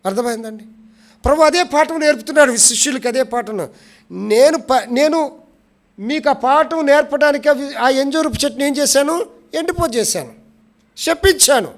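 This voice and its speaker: A male preacher delivering a sermon in a prayer house, repeating phrases, asking the congregation rhetorical questions and swinging between soft, low lines and loud, raised ones. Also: expressive, normal speed. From India.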